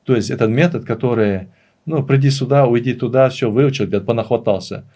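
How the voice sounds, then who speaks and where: Earnest man with a mid-pitched voice, explaining. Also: fairly quick, warm tone. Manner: earnest, emphatic repetition of phrases. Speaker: interview guest, language teacher and author. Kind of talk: conversational interview, explaining and reminiscing.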